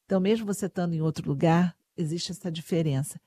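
Woman interviewer, warm attentive questions, slightly low voice, dry sound. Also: fast, no room sound.

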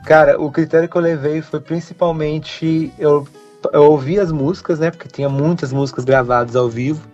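A young man, a guitarist talking in a relaxed, rambling way as an interview guest. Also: fairly high pitch, normal speed, dull audio, soft background music. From Brazil. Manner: relaxed, rambling, many fillers like "né". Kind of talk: casual interview chat.

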